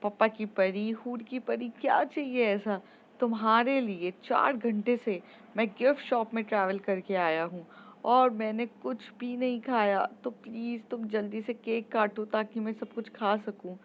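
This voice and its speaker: A woman's voice: fairly high pitch, fairly even intonation, a little slow, dull audio, slight background noise. A woman voicing joking young guy Rohit. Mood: playful. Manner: rambling, joking.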